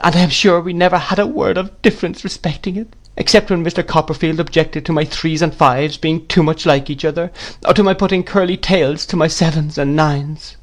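A man's voice: medium pitch, expressive, fairly quick, hardly any pauses, pitched above the performer's own voice. A man voicing a meek young widowed mother who answers faltering and apologetic. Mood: timid.

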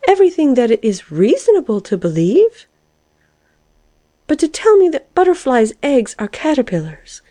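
A woman's voice: high-pitched, big pitch swings, normal speed, warm tone, no room sound, studio quality, voice pushed up. A woman voicing a timid, earnest old-lady caterpillar in a storybook, with a plaintive, prim and emphatic manner. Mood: hesitant, insistent.

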